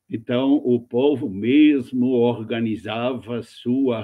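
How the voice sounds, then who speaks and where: At a very slow pace, a man talks at a medium pitch with fairly even intonation. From Netherlands. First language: Dutch (speaking Portuguese). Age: 80s+. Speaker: Franciscan friar and researcher. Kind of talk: conference talk.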